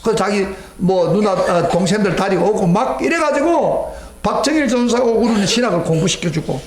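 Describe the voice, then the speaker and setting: A middle-aged man preaches in a fairly high voice, acting out his own pleading prayers with sweeping rises and sudden low drops. His voice rings through a roomy church hall over the PA microphone. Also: lively intonation, brisk. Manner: sweeping pitch, rising near a shout then dropping low. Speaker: pastor. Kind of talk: sermon. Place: church sanctuary.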